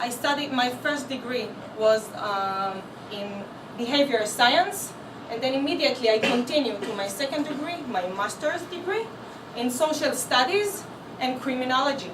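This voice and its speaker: A woman speaks at a moderate pace in a high voice with lively intonation. There is noticeable background noise and audible room echo. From Israel. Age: 20s. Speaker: public speaking club member. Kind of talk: prepared speech. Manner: halting.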